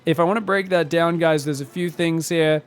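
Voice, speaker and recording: A man casting a strategy game on his own, excitable on big plays and analytical in replays, his voice phlegmy after being sick. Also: a little high, normal speed, soft background music. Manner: excitable, shouts on big plays, then breaks down mistakes. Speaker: esports caster. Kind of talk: solo game commentary.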